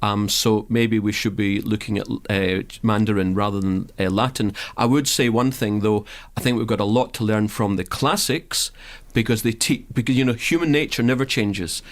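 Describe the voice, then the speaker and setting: A man's voice: fairly low pitch, moderate pace. A man with a Scottish accent, a studio guest on a radio show, talking casually and hesitantly with many fillers and restarts. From Scotland. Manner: hesitant, many ums and repeated starts.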